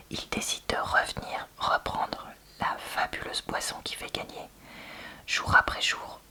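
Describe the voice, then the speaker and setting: A woman speaks in a breathy library whisper, almost entirely unvoiced and crisp on the edges. She chats candidly in an ASMR book-review style, with a hushed, conversational delivery.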